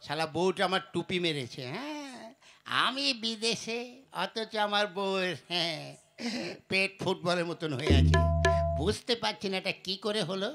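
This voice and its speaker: A woman playing a jealous, shouting husband. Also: medium pitch, expressive, moderate pace, soft background music. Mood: suspicious. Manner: shouting, accusing, blustering. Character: jealous hot-tempered husband back from abroad. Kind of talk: puppet show voice acting.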